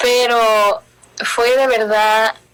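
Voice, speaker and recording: Noticeable background noise surrounds a woman's voice. Her pitch is fairly high. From Miami, with stays in Mexico. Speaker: singer-songwriter. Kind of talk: interview.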